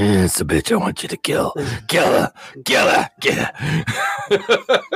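Gruff and fairly slow, this man's voice is a put-on character voice. He takes his time over each line. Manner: aggressive, commanding.

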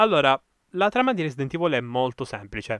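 A man's bright, sharp voice is captured in a very clean recording with a silent background. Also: dry, close sound with no echo. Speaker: podcast host, video game reviewer. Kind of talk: casual solo podcast monologue. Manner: animated, hyperbolic.

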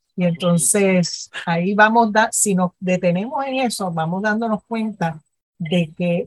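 A woman speaks at a fairly slow pace with a somewhat breathy voice. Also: dry, close sound with no echo. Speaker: psychologist. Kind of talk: casual chat.

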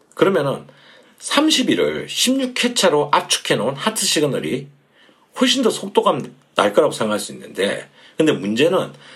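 This is a man talking. His pace is moderate. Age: 40s. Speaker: podcast host and beatmaker. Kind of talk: scripted solo podcast monologue. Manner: casual, frequent laughs.

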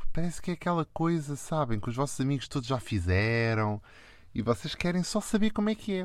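A man speaks in a European Portuguese accent at a fairly quick pace, his pitch fairly high with very wide swings. The recording is very clean, with a silent background. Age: 20s. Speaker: podcast host. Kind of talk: personal monologue. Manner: hesitant, with fillers.

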